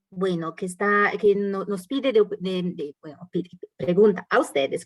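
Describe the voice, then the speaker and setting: A woman's voice: mid-range voice, a little mellow, no echo. Woman moderator on a video panel, kinda hesitant, dry close sound. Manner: hesitant, many fillers while reading questions.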